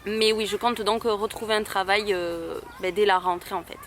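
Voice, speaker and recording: A woman's voice: mid-range voice, fairly even intonation, moderate pace, a bit bright, a little hiss or hum. A young woman from Toulouse answering viewer questions in a casual outdoor vlog, talking hesitantly with lots of filler words. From Toulouse, France. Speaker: YouTuber.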